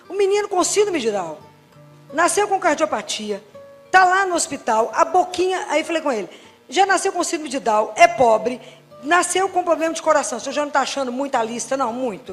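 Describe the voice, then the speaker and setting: A woman gives an emphatic faith talk full of stories, acting out the dialogues. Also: sits high. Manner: lively, emphatic, acts out dialogues. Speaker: Christian speaker and pediatrician. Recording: reverberant hall with faint music.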